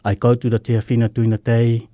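A Samoan man, whose first language is Samoan, speaking earnest, halting English as a guest in a radio interview. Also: medium pitch, monotone, dry recording, highs cut off. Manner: earnest, halting, simple non-native English. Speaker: guest sharing recovery story.

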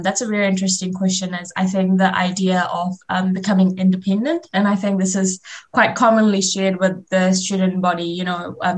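A woman in her twenties from Fiji, chatting casually as a radio interview guest and laughing easily. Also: mid-range voice. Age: 20s.

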